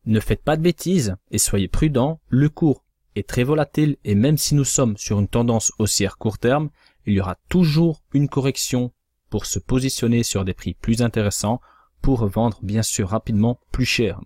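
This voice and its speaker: Male chart analyst, mid pitch, measured and cautionary, dry booth-like sound. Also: dark tone, dry recording. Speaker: crypto trading analyst. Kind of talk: scripted chart analysis voice-over.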